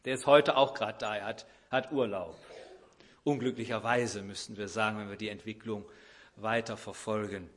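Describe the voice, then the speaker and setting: A man's voice: lowish voice, fairly even intonation, moderate pace, a bit bright. A man preaching a sermon who illustrates his point with an everyday story and acts out the people in it.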